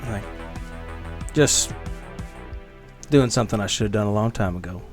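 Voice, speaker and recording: A man's voice: on the low side, normal speed, over music, natural voice. A man voicing a bitter, grieving, hard-drinking husband and father in a tabletop game, guarded and wry. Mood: weary, guarded. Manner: guarded, wry, world-weary.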